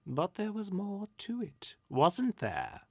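A woman's voice: fairly low pitch, very animated, unhurried, dry recording, pitched above the performer's own voice, heavily acted. A narrator voicing a catty, gossipy female spirit in a storybook, with an arch, theatrical and exaggerated delivery. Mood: sly.

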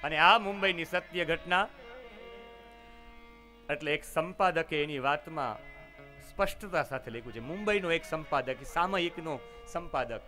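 A man's voice: fairly high pitch, normal speed, long pauses, pushed and bright. A man preaching in a devotional storytelling style, telling moral tales with dramatic emphasis. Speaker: religious storyteller. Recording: violin music behind the voice.

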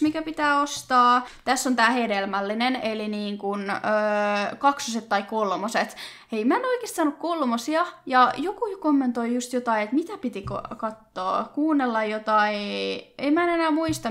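A young woman with a Finnish accent, chatting excitedly to viewers while playing a life-sim game. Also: a little high. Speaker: let's play host. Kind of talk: casual gameplay commentary.

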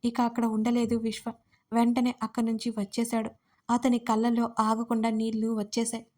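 A woman narrating a romantic audio story with a steady, even reading. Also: a little high, moderate pace.

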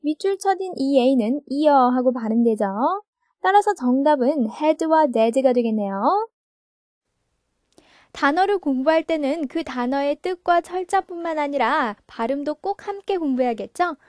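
A woman teaching an English grammar video lesson in a high voice, slow and patient. She walks through each point and checks understanding with rhetorical questions. The recording is dry and close. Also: lively intonation, darkish tone, no room sound. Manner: patient, explains step by step, asks rhetorical questions.

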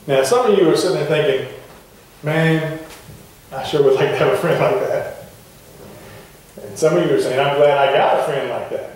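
A middle-aged pastor preaches conversationally, asking the congregation questions, his slightly higher-than-typical voice a little mellow, at normal speed with long pauses. A far camera at the back of the wooden church sanctuary captures him, and the room rings with heavy echo.

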